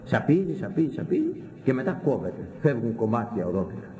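Impassioned preacher in a reverberant church. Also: male voice, very animated, dark tone. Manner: impassioned, repetitive, rising to high exclamations. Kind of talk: sermon.

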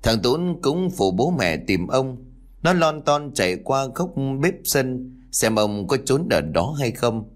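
A man narrating a scripted story in an expressive, dramatic way. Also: medium pitch, takes it slowly. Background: faint background music.

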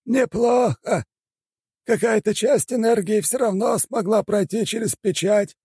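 A man voicing a scheming, dismissive old shaman elder in a fantasy audiobook, with a drawn-out, strained high voice. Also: a little mellow, husky, no echo, clean studio sound, exaggerated voice. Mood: musing. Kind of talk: audiobook character voice.

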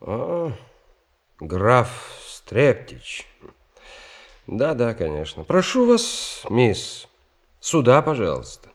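An actor playing an obliging, deferential hotel porter in an audio drama, with drawn-out servile phrasing. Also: male voice, medium pitch, huge pitch swings, exaggerated voice. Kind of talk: theatrical audio drama acting.

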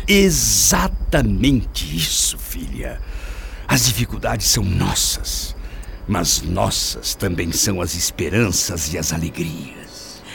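A tormented middle-aged Brazilian father in a radio soap. The voice is low and creaky, swinging widely in pitch with theatrical anguish. He sounds bitter, self-pitying and full of yearning. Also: expressive, takes it slowly, a bit bright, a little hiss or hum, heavily acted. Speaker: radio drama actor. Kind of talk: melodramatic radio play acting.

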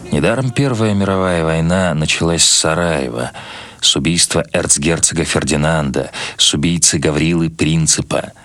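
A man's voice: extremely low pitch, a bit bright, dry recording. A man, an actor reading a literary novel aloud in the style of a radio audiobook.

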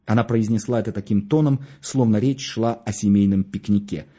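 A man's voice: fairly low pitch, brisk, mellow, slightly rough, highs cut off. A man reading a first-person story aloud in a dry, ironic manner. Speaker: audiobook narrator.

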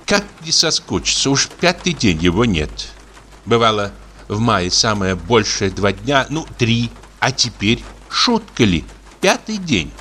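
A man's voice: medium pitch, very animated, a little slow, bright, forceful tone, a little hiss or hum. A man voicing a fretful, pious old mother who fusses and sighs. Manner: fussing, sighing, pious exclamations.

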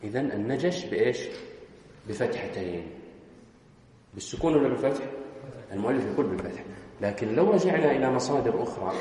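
A man's voice: mid-range voice, a little mellow, a little hiss or hum. A man teaching Islamic law in a classroom lesson, explaining step by step and quizzing his students with questions. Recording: very echoey hall.

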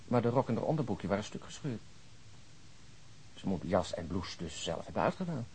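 An actor playing a brooding, analytical investigator in a radio drama, reasoning in a husky voice. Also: male voice, on the low side, big pitch swings, fairly quick, a little mellow, a little hiss or hum. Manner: reasoning step by step.

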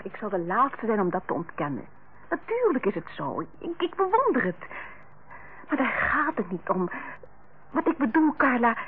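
Radio drama role: friendly housewife, coaxing and earnest, very animated intonation, husky, lo-fi vintage recording. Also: female voice, a little high, normal speed. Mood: earnest, pleading. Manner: coaxing, earnest, hesitant when criticising. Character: friendly, tactful housewife, hostess to her sister-in-law. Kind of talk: old Dutch radio play acting. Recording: muffled, lo-fi old radio recording.

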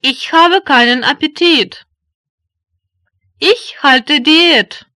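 A woman reading German phrases slowly and deliberately for learners, repeating each one. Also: high-pitched, pushed and bright, no echo, studio quality. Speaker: German language teacher voice. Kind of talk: slow phrase drills for learners.

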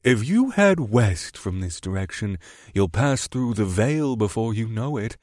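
A man's voice: fairly low pitch, expressive, unhurried, a little mellow, dry recording, studio quality. A man voicing a pompous little white male crab who talks in a lofty, crooning, easily scandalized way.

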